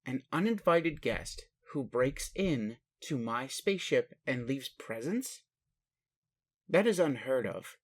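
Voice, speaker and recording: Male alien caretaker, acted by a man, slow pace, medium pitch, formal, halting, inquisitive, literal-minded, caring, puzzled, roleplay audio. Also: very animated. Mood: suspicious, puzzled. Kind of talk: roleplay audio addressed to the listener.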